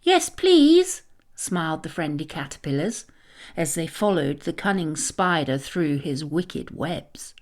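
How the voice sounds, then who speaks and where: A woman narrating a scripted children's story in a dramatic, expressive manner. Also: low voice, unhurried.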